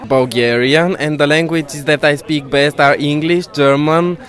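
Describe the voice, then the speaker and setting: A man's voice: a little high, steady tone, measured pace, a bit bright. A male student answering questions carefully outdoors. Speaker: student, interview guest.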